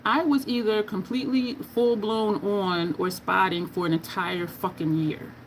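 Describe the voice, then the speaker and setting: A frank, talkative woman in her fifties chats as she applies makeup, her voice sitting at a middle pitch. A faint hiss of background noise runs under her easy, candid talk. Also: fairly even intonation, a little slow, low-quality recording. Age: 50s. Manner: candid, chatty, reading viewer comments aloud. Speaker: makeup vlogger. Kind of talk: casual chat while doing makeup.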